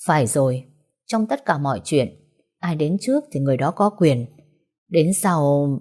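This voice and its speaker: A cold, resentful young father with a hard, curt edge, as a woman narrator puts him on. He speaks slowly and deliberately, in a voice dropped low and mellow for the storybook reading. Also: lively intonation. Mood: bitter. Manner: cold, clipped, slow deliberate delivery.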